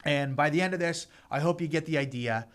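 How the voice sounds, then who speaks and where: Male finance host, conversational explainer, fillers and repeats for emphasis, slightly high. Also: fairly quick, a bit bright. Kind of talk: casual explainer talk.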